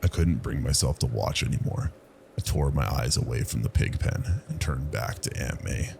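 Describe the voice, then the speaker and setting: A man narrating a scripted first-person horror story in a low, haunting, gravelly voice. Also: normal speed, a little mellow, slight background noise. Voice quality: very deep, gravelly.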